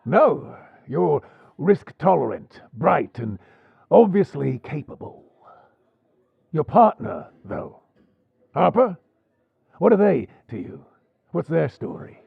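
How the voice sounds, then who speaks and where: Pirate overlord: husky and gravelly, wildly expressive melody, shrewd, genial, theatrical, swashbuckling audio drama. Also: male voice, on the high side, dry recording, phone-quality sound, exaggerated voice. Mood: probing, measured. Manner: deliberate, insinuating, theatrical, formal phrasing. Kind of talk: swashbuckling audio roleplay acting.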